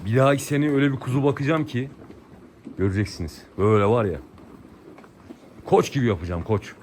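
A man's voice: mid-range voice, fairly even intonation, a little fast, darkish tone, a little hiss or hum. Chatty man vlogging by his animals. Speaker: vlogger raising lambs. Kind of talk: casual vlog chat to viewers.

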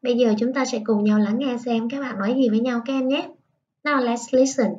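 A woman English teacher in an online primary lesson, reading dialogue lines slowly and translating each one. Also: fairly high pitch, darkish tone, muffled recording. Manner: slow reading with line-by-line translation.

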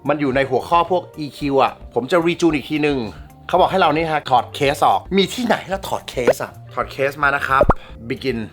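Excitable man reviewing gadgets over music. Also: on the high side, a little fast. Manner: excitable, self-mocking, casual swearing. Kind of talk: casual tech review vlog.

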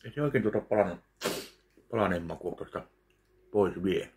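A man in his thirties giving a slow, deadpan review of a meal while eating at home in his kitchen. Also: low-pitched, a little hiss or hum. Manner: slow, deadpan, pauses between bites. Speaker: food vlogger. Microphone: webcam at close range.

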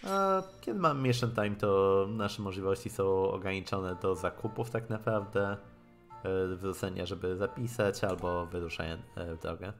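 Low-voiced Polish man streaming a game. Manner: halting, thinking aloud, casual swearing. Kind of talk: live game stream, translating dialogue aloud and commenting. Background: game music.

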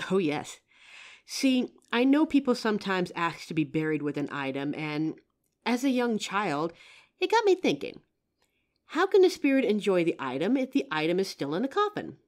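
Expressive, lower-pitched actress as a friendly psychic woman. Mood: helpful, confiding. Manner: chatty, expressive, with pauses and soft laughs. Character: friendly, curious psychic woman, a helpful costume shop keeper. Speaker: voice actor. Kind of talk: roleplay audio drama, one side of a chat addressed to the listener.

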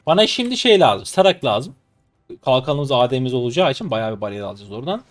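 A man in his twenties, a live streamer giving excitable, mocking gameplay commentary. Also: mid-range voice, fast, soft background music. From Turkey. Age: 20s. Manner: excitable, mocking and trash-talking.

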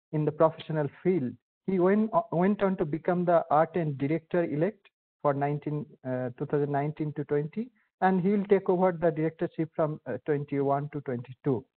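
An Indian English man moderating a session, introducing speakers respectfully with frequent hesitations. His voice is a little high for a man and comes through a narrow, phone-like video call connection. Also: normal speed. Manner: respectful, hesitant with many uhs.

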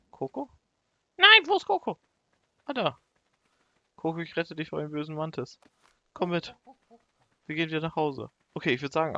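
A young man giving casual, excitable let's play commentary and talking to the animals in his game. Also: mid-range voice, vocal fry, a little hiss or hum. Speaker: gaming YouTuber.

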